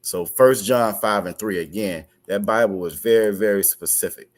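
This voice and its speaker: A man teaching an online religious class over a video call, halting, with many fillers and restarts. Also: lowish voice.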